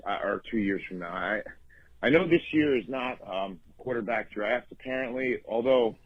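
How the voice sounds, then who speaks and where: A man leaves a voicemail, halting and restarting as he talks. His voice is husky, and the phone recording sounds dull, lo-fi and dry. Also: mid-range voice, no room sound. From Long Island, New York. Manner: hesitant, halting with repeated restarts. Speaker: caller.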